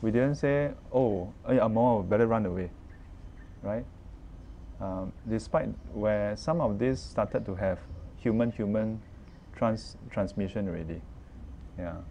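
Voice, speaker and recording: Against light background noise, a man with a fairly low pitch and a dark, mellow tone speaks at a fairly slow pace with ordinary pitch variation and long, frequent pauses. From Singapore. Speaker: Buddhist monk and Dharma teacher; Buddhist monk teacher. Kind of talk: Dharma talk. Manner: casual, with frequent fillers. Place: garden. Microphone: camera far.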